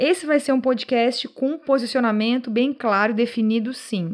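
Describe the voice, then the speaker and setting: In a very clean recording with a silent background, a woman with an unremarkable speaking voice talks at a moderate pace, her fairly high pitch showing ordinary variation. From Santa Catarina, southern Brazil (Florianópolis). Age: 30s. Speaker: podcast host and journalist. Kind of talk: solo podcast monologue, casual explanatory.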